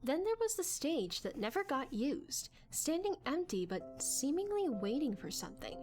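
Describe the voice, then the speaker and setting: Female narrator for dramatic storytelling: higher register, very animated, expressive.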